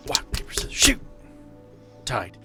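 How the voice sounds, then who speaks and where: A man playing a tabletop game, bantering casually and swearing freely. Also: unhurried. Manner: sweary, joking. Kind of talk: casual banter among players. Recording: faint music behind. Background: faint background music.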